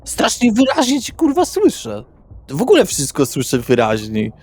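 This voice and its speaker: A man's voice: high-pitched, wildly swooping pitch, normal speed, darkish tone, husky, soft background music, voice pushed up, full character voice. A man plays a young, spoiled street slacker in a tabletop game. His voice jumps up from the player's own and swings around freely. He is brash and crude, needling whoever he talks to. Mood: cocky. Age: young adult figure. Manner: brash, taunting, swearing. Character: cocky, mouthy rich young male slacker, crude street slang.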